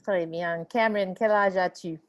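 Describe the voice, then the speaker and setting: A woman's voice: lowish voice, fairly even intonation, unhurried. A woman teaching an online French class over a video call, mixing French and English as she encourages her students.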